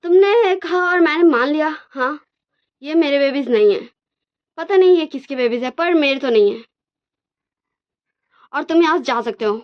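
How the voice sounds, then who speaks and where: Brief: woman reading a cold, scornful young groom, higher and louder than her narration, dull lo-fi sound. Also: lively intonation, moderate pace, pauses often.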